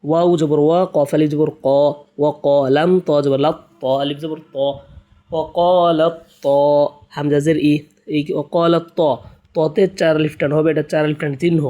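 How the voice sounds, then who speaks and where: A Bangladeshi Quran teacher with a fairly high, flat voice spells out Arabic letters and vowel marks for beginners. He chants the spellings slowly in a sing-song way, then explains them quickly.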